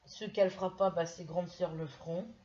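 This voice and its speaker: A woman's voice: fairly low pitch, steady tone, normal speed, warm tone, lo-fi sound. A middle-aged woman from France chatting casually in a haul video, hesitant and full of restarts as she shows a purchase. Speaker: craft vlogger.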